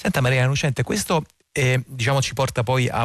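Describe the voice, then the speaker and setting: The sound is dry and close, without any echo. It is a man talking. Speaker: radio host. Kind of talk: radio arts magazine. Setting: studio.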